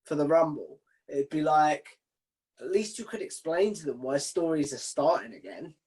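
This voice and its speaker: A man's voice: a little high, lively intonation, normal speed, a little mellow. A man hosting a casual interview in an informal, matey, conversational way. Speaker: interviewer, video channel host.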